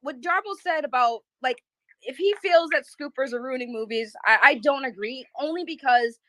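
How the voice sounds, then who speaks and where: A high, bright-voiced woman talks bluntly over a remote call, cursing often and tripping over her own restarts. The sound is dry and close, with no room around her. She comes across as a YouTube drama creator speaking her mind. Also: dry recording, low-quality recording. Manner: blunt, swears freely, quick restarts. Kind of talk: casual heated chat.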